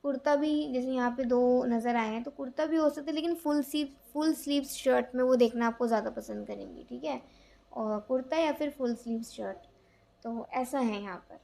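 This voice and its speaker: A woman's voice: fairly high pitch, moderate pace, vocal fry, warm tone. A woman gives a casual tarot reading, chatty and rambling, with many fillers and restarts. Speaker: tarot reader.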